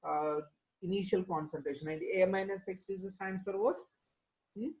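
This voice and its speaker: A woman teacher speaks with a South Asian accent at a middling pitch. She explains material step by step in an instructional way, often pausing to prompt her students with short questions and tag words. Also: steady tone, darkish tone. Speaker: chemistry teacher.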